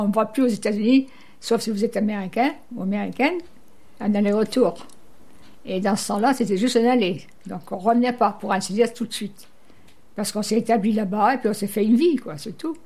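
An older woman from Brittany, a returned emigrant, telling stories as a guest on a radio interview in a lively, chatty way. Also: medium pitch, brisk. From Brittany, France. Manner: lively storyteller, chatty and animated.

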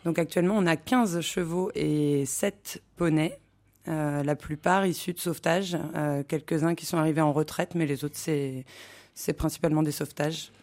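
A woman from the Paris region answering radio interview questions, often pausing on filler sounds. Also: sits low, steady tone, a little mellow. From Paris region, France. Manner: hesitant, many filler sounds. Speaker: interview guest, animal care worker.

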